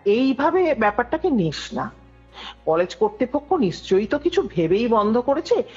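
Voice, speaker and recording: A guest with a high, breathy voice tells a ghost story in a lively, conversational manner, acting out what people said. The audio comes from a dull lo-fi call, with music audible behind her.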